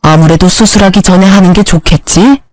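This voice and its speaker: A woman's voice: on the low side, brisk, darkish tone, dry recording, soft background music, natural voice, low-quality recording. Brief: woman voicing a selfish middle-aged ex-husband, whiny and demanding, dry audio-story read. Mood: whining. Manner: whining, demanding.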